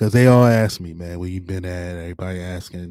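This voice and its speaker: Recorded with a dry, close sound and no echo, a man talks in an animated tone over a very clean recording with a silent background. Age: 40s. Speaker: podcast host. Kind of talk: casual monologue.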